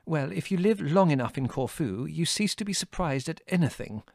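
A man's voice: on the high side, sing-song, brisk, creaky, breathy edge, no echo, studio quality, voice pushed up, full character voice. A man voicing a flustered, polite middle-aged English mother in a storybook reading. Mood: polite, shaky. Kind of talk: audiobook character voice.

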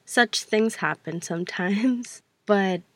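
A woman's voice: medium pitch, takes it slowly, dry recording. A young adult woman hosting a podcast, talking casually and rambling with lots of fillers, her voice stuffy from allergies. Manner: chatty, rambling, self-correcting with many fillers. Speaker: podcast host. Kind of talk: casual solo podcast talk.

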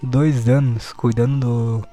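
A man's voice: mid-range voice, flat delivery, slow pace, warm tone. Sarcastic, profane young man commenting on news. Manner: profane, sarcastic, laughs often. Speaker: streamer reacting to news. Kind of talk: casual commentary while reading news aloud. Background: faint music playing.

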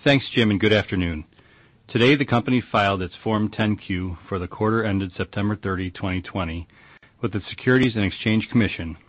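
A man's voice: fairly low pitch, fairly quick, no echo. A man, a chief financial officer, reads a scripted earnings call statement in a formal, businesslike manner. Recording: dull, dry conference call audio.

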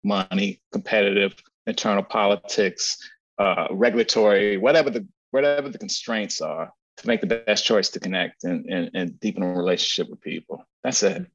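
Husky-voiced man, animated and blunt. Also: fairly low pitch, moderate pace, highs cut off. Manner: animated storytelling, frequent profanity and repetitions. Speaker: guest, agency founder and strategist. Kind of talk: casual podcast interview.

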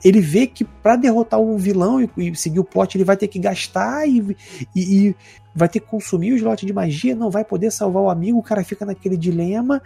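A man with a Brazilian accent, chatting casually on a podcast in a relaxed, rambling, slangy way. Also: high voice, fairly quick, gravelly, slightly rough, no echo, soft background music. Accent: Brazilian Portuguese. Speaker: podcast co-host. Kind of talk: casual chat about tabletop games.

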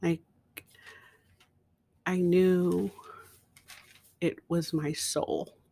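A woman telling a personal story in a slow, emotional way, with dramatic pauses. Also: lowish voice, flat delivery, vocal fry, dark tone, slightly rough. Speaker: speaker.

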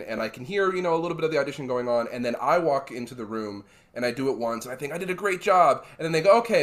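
A man who is an actor, a guest in an interview, speaking in an animated, emphatic way. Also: mid-range voice. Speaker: actor, cast member guest. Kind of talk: casual interview chat.

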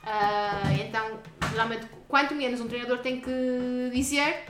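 A woman with a European Portuguese accent chatting casually, telling things in an informal, animated way. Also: on the high side, unhurried, loud music behind the voice. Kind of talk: casual chat. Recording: noisy echoey room with kitchen clatter.

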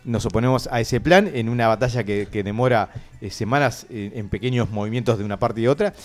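A man's voice: mid-range voice, fast talker, a little mellow. A man with a Uruguayan Spanish accent, a radio show host in comedic banter, playfully spinning absurd stories. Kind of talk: comedic banter among hosts.

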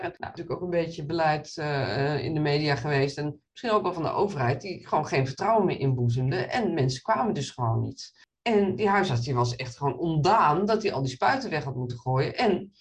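A middle-aged woman surgeon and professor, answering interview questions in an animated, storytelling way with many restarts. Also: sits low. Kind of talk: interview in front of an audience.

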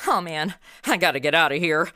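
A woman's voice: deep voice, brisk, slight background noise. A woman playing a flippant, slangy modern young woman in her twenties in a comedy audio drama. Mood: wry. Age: 20s. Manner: flippant, expressive. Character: sassy, slangy modern twenty-something woman turned detective.

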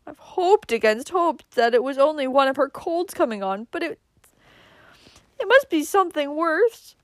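A woman's voice: high voice, huge pitch swings, moderate pace, fairly bright tone, no room sound, pitched above the performer's own voice, exaggerated voice. Woman playing a sobbing, put-upon older mother. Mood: tearful, worried. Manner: sobbing, moaning, plaintive.

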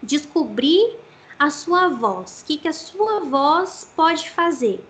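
A woman's voice: high voice, lively intonation, slow, a bit bright. A Brazilian woman who works as a voice actress, explaining her craft thoughtfully in an interview. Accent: Brazilian Portuguese.

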